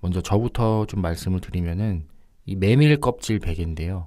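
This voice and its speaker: In a very clean recording with a silent background, a man with a fairly low pitch and dark, mellow tone speaks with lively intonation. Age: 30s. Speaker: book podcast co-host. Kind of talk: casual book review chat.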